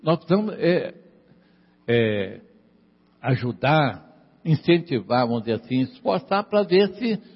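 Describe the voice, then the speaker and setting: A man's voice: medium pitch, big pitch swings, unhurried, pauses often, husky, dull audio. Preaching man in an echoing hall. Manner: call-and-response preaching, repeating lines for emphasis. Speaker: pastor. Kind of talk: sermon.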